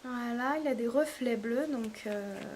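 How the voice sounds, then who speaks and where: A woman's voice: on the high side, unhurried, darkish tone, slight background noise. A woman giving a casual, chatty product review, hesitating often with fillers. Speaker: beauty vlogger.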